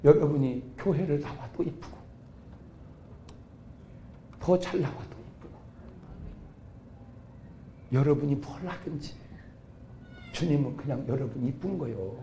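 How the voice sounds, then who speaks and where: A middle-aged man preaching a humorous revival sermon, acting out quarrels between couples in sudden loud outbursts. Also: mid-range voice, unhurried, long pauses, slight background noise. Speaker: pastor.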